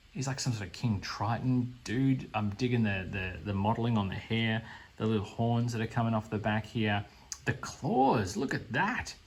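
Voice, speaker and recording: A man's voice: lowish voice, husky. An Australian man gushing with enthusiasm as he unboxes a board game, speaking casually. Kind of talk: unboxing commentary.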